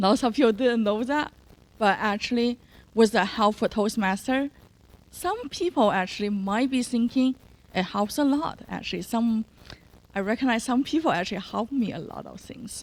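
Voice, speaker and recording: A woman speaks with a strong Chinese accent and a fairly high pitch. Her loudness swings widely. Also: ordinary pitch variation, moderate pace. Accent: thick Chinese. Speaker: club member. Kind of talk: impromptu speech.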